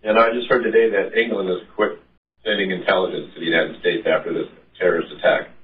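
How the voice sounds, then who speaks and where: A male caller from Arizona chatting on a radio call-in show, his voice thin and without bass over a speakerphone. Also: fairly even intonation, fast. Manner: chatty and questioning. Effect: thin, bass-less speakerphone sound. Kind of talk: casual call-in chat. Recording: tinny speakerphone line, distant from mic.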